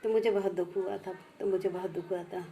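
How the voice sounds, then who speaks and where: A woman speaking slowly and heartfelt as she recalls her past, repeating each phrase twice. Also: mid-range voice, steady tone, vocal fry, dark tone. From India. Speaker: vlogger sharing memories. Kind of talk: personal reminiscence.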